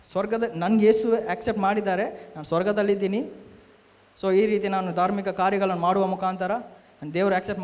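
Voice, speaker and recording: A man giving an emotional personal testimony in a church hall, talking fervently, repeating himself and asking the listeners rhetorical questions. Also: high voice. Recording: echoey hall, dull lo-fi sound.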